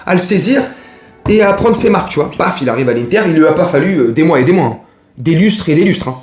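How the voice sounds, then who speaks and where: A man rambles through football transfer talk in loose slang, joking and speaking straight to his viewers. His voice sits a touch high. The room is echoey, with faint music behind him. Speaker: football vlogger. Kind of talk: casual mercato chat to camera.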